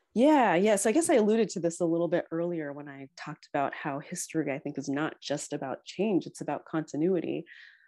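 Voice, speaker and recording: Against a quiet background, a woman with an American accent speaks at a very fast pace in a fairly low pitch, with ordinary pitch variation and a dark, mellow tone. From US West Coast, northern California. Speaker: historian and author. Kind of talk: interview. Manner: hesitant, many fillers.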